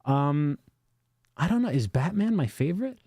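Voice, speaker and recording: Very animated and warm in tone, a fairly high-pitched man co-hosts a relaxed livestream, answering viewer questions at a moderate pace. He reads super chats out loud and rambles with plenty of fillers, and the studio microphone gives a dry, clean sound.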